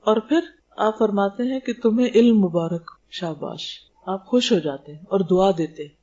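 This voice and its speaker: A woman's voice: medium pitch, warm tone, dull audio. A woman teaching a religious lecture, explaining terms and asking rhetorical questions. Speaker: Islamic teacher.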